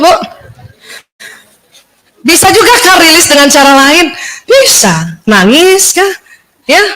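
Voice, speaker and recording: A woman giving a lively religious lecture to women, often asking her listeners questions. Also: sits high, low-quality recording.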